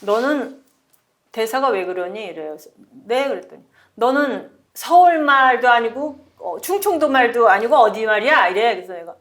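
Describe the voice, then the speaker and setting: Lively older woman telling stories. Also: fairly high pitch, moderate pace. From Seoul, South Korea. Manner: lively storytelling, acts out quoted dialogue, laughs often. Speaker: actress, guest. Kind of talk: casual interview chat.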